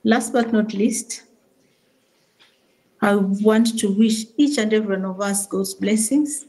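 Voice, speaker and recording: A woman, the organisation's CEO, giving a formal speech full of prayers and blessings, with many pauses and fillers, joining remotely. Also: mid-range voice, a little mellow, low-quality recording. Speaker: SACCO CEO addressing members remotely. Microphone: remote link into the meeting.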